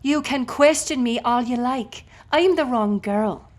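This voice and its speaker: A woman's voice: on the high side, unhurried, voice pushed up, lightly acted. A woman playing a defiant, sarcastic, foul-mouthed ship captain held prisoner in an audio roleplay. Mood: mocking, contemptuous. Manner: sarcastic, wordy, biting.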